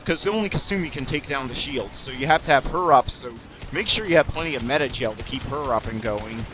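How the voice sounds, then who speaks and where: A man's voice: medium pitch, fairly quick, fairly bright tone. A man giving casual, rambling commentary over a video game, self-deprecating and sarcastic, often restarting his sentences. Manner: sarcastic jokes. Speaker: let's play commentator.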